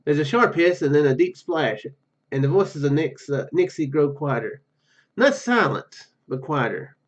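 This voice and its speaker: A man's voice: on the high side, animated, measured pace, lo-fi sound. A man reading a visual novel aloud and commenting casually, often stumbling over his words. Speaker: gaming YouTuber.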